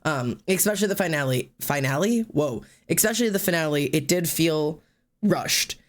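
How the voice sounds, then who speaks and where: A man with a slightly higher voice, talking through a sniffly, stuffy nose on a live stream. He chats loosely as he draws, greeting and thanking viewers one after another and wandering through his thoughts with plenty of restarts. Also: animated, moderate pace. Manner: chatty, greets and thanks chatters by name; loose, rambling with fillers and restarts. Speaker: livestream host. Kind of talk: casual live-stream chat while drawing.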